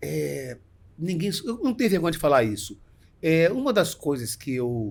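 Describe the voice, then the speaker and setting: A man with a fairly high voice swings his pitch very widely. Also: fairly slow pace. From Brazil, Minas Gerais (Belo Horizonte). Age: 60s. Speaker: actor. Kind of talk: interview conversation.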